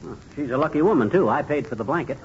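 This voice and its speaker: An actor playing a boastful, blustering husband in a 1940s radio comedy, on an old radio recording. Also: male voice, on the high side, very fast, close to an everyday voice. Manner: brash, blustery, trading insults. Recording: muffled old radio recording, loud hiss.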